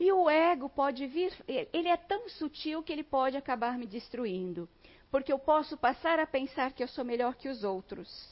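Her pitch is high, and her intonation is lively. The woman keeps a moderate pace. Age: 50s. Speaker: spiritist lecturer. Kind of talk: spiritual lecture. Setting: hall with live audience, also streamed online.

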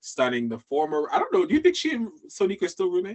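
With very wide pitch swings, a man speaks in an animated tone. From Washington DC. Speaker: podcast co-host recapping a reality show. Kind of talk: casual chat.

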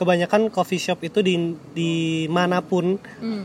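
A high-pitched man speaks at a fairly slow pace, keeping his intonation fairly even. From Indonesia. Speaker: student and worker abroad. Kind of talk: casual chat.

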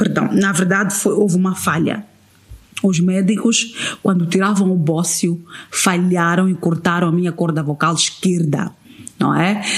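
A woman with a Mozambican accent speaks at a fairly slow pace, fairly low in pitch and with fairly even intonation. Her loudness stays very even, and there's noticeable background noise. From Mozambique, Maputo. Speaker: radio host and TV presenter. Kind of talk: interview.

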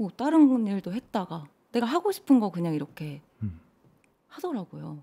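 A woman talks at a moderate pace, broken by long, frequent pauses. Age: 30s. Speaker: fashion model. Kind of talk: casual chat.

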